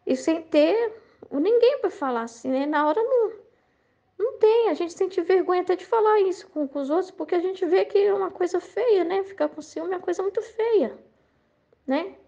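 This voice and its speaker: A woman with a high voice and a Brazilian Portuguese accent gives a heartfelt personal testimony. She speaks in a confessional, halting way, repeats herself and keeps checking in with the listener. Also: lively intonation, creaky, mellow, highs cut off. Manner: confessional, halting, many repeated words and "né?" tags. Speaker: member of a Catholic prayer group.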